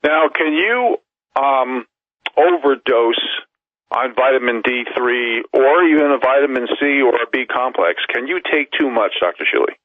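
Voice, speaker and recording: A man's voice: medium pitch, animated, measured pace, no room sound. A man of sixty hosting a radio interview, asking polite, rambling questions with many fillers. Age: 60s. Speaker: radio host. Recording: tinny phone line.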